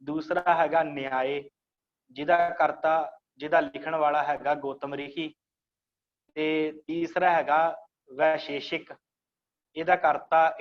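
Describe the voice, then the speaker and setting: Male religious teacher, slightly high-pitched, slow explanatory delivery; muffled lo-fi audio. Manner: explains slowly, repeats phrases to teach pronunciation. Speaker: Sikh scripture teacher. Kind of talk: online religious class.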